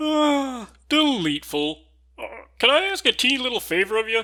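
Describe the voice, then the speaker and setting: A woman performs a put-on character voice, high-pitched with very wide pitch swings. She goes at a moderate pace on a very clean recording with a silent background. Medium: voice reel.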